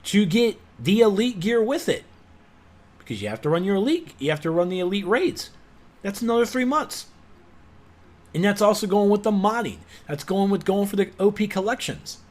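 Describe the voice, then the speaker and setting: A man giving a sarcastic, exasperated rant as a gaming commentator, with sudden loud outbursts. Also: high-pitched, expressive, moderate pace. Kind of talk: ranting video commentary.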